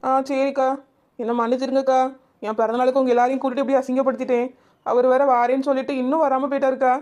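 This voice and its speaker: Lightly acted, this village drama scene features a woman as a young wife who spars sharply with the neighbours before the hurt of her husband's letdown shows through. The voice sits high and the delivery stays flat. The audio is dull.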